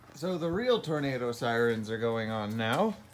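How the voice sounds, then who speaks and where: A moderate pace over faint music in the background. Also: man. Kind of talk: casual vlog chat. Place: home room. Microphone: phone near.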